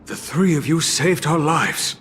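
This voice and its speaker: An actor playing a proud, devout older tribal priest in a video game, formal and theatrical. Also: male voice, a little high, unhurried, fairly bright tone, a little hiss or hum. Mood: grave, stubborn. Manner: formal, dramatic, emotive.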